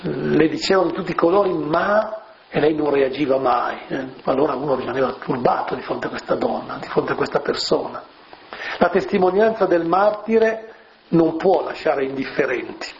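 A man giving a homily on scripture in a conversational way, with rhetorical asides and soft fillers. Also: fairly high pitch, moderate pace. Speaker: preacher. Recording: muffled lo-fi recording with faint hiss.

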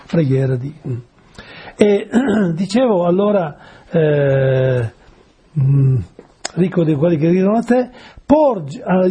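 Husky, dark-voiced man preaching. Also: fairly high pitch. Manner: explains words patiently, asks listeners rhetorical questions. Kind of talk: conversational sermon.

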